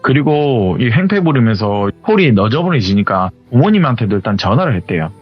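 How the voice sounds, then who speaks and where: A man hosting a horror story show, retelling a listener's story in an animated, conversational way. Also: mid-range voice, brisk. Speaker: horror story radio host. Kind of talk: storytelling narration. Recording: slightly dull audio with faint music.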